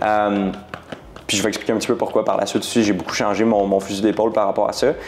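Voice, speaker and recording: In a Quebec accent, a man talks at a very fast pace with a fairly low pitch and monotone, flat intonation amid noticeable background noise. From Quebec, Granby area. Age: 20s. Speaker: online sales entrepreneur. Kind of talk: casual interview chat. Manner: casual, many fillers.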